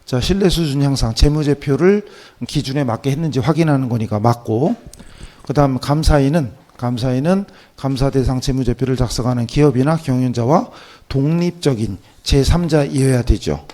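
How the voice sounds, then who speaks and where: A man with a voice hoarse from a cold, teaching an accounting class through practice questions with short check-in questions. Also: medium pitch, normal speed, dark tone. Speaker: accounting exam lecturer.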